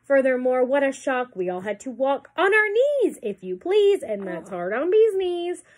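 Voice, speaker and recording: Tiny fretting storybook bees squeak their worries in a very high voice, as a woman puts them on. The pitch leaps around a lot. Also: big pitch swings, normal speed.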